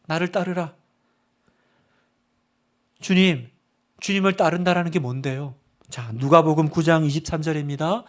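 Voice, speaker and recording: A male pastor preaching a sermon, asking rhetorical questions and building to emphatic, louder bursts. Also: fairly high pitch, fairly quick. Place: church sanctuary.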